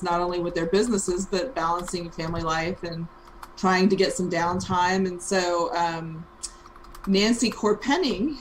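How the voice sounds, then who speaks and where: A woman in her fifties co-hosting a business show, talking in a thoughtful, even way with frequent ums. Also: on the low side, a little hiss or hum, low-quality recording. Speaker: co-host and franchise owner. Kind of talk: casual chat.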